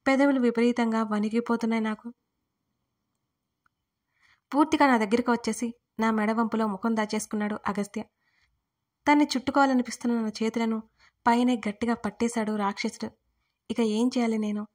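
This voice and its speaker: Woman narrating a romance story, higher voice. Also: fairly even intonation, a little fast, pauses often. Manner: intimate, emotional storytelling voice. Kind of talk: first-person scripted romance narration.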